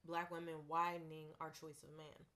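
A woman hosting a podcast, talking in a relaxed, conversational way and asking questions. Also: deep voice, moderate pace. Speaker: podcast host. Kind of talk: casual podcast chat.

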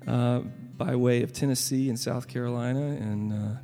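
Southern male worship leader, mid-pitched, gentle and earnest; big church reverb with guitar underneath. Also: steady tone. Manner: earnest and gentle, with frequent pauses. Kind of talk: spoken interlude between worship songs. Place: church sanctuary. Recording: long reverb from a large church hall.

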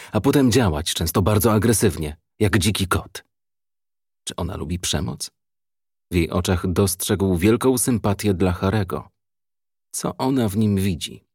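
A man narrating a crime novel as an audiobook reader, in a measured, even storytelling manner. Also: fairly low pitch, slightly rough, no room sound, clean studio sound.

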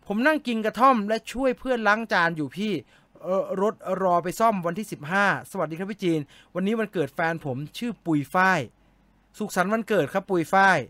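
A man with a high, bright voice chats casually with his live-stream viewers, reading their comments aloud and answering with jokes. His voice sits close to the mic in a dry, deadened space. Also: no echo. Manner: chatty, joking, reads comments aloud and answers them.

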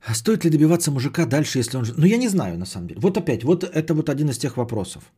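Man, podcast host, husky, dark relaxed tone, casual rambling chat, sardonic, repetitive, sweary. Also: a little high, rapid-fire. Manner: sardonic, swearing, repeats phrases. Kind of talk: casual rambling chat, answering audience messages.

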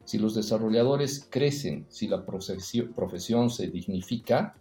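A man, a native Spanish speaker, speaking as a podcast guest in a relaxed conversation, telling stories reflectively and often tagging his sentences with a questioning "no". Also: fairly low pitch, unhurried, echoey room, faint music behind. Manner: reflective, storytelling, frequent "¿no?" tags. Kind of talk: casual interview conversation.

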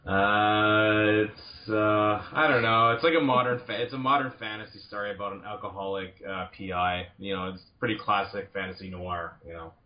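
A man's voice: lowish voice, fairly even intonation, moderate pace, few pauses, lo-fi sound. A man talking as a podcast guest, rambling and restarting his sentences. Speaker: comic book writer guest. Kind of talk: casual podcast chat.

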